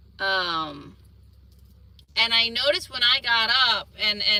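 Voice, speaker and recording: A woman talks in a fairly high voice whose pitch varies in an ordinary way. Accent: American. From US East Coast (Philadelphia and New York). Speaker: energy healer and livestreamer. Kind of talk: casual livestream chat.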